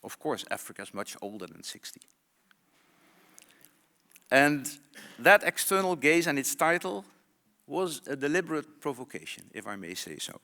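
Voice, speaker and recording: A man who is one of the conference organizers, giving deliberate, formal welcoming remarks and announcements. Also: mid-range voice, pushed and bright. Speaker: conference organizer, institute director. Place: conference hall.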